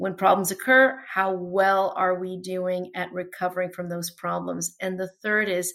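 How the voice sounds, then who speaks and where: Here a woman speaks at a fairly slow pace. Her medium-pitched voice keeps fairly even intonation. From Canada, Toronto. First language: Portuguese. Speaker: company CEO, customer experience consultant. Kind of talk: interview. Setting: remote call.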